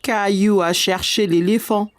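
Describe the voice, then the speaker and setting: A woman reading scripted narration for young children in a gentle storybook manner. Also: medium pitch, steady tone, measured pace, natural voice.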